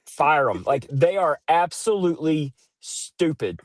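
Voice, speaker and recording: Woman, livestream host, informal, emphatic, repetitive, lively intonation, dry close sound. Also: low-pitched, unhurried, no room sound. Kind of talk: casual livestream chat.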